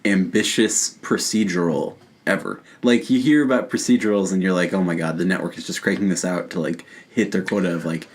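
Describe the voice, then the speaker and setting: Low-pitched man chatting loosely. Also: fairly even intonation. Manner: halting, rambling, prone to laughter. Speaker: podcast co-host. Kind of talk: casual film and TV chat.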